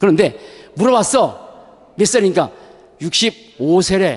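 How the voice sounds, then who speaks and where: A man speaks with very wide pitch swings. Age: 60s. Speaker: pastor. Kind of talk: sermon.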